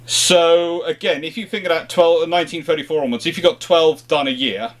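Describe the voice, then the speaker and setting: A man's voice: fairly high pitch, fairly even intonation, brisk. A man hosting an informal question-and-answer chat, explaining things off the cuff and often rephrasing mid-thought. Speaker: host of a history question-and-answer show.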